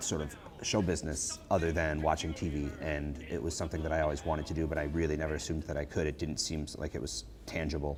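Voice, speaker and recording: Over music in the background, a man with an American accent speaks in a very deep, low voice. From US Midwest, small town in Michigan. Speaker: improv comedian and teacher. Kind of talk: interview talk. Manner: hesitant, many fillers.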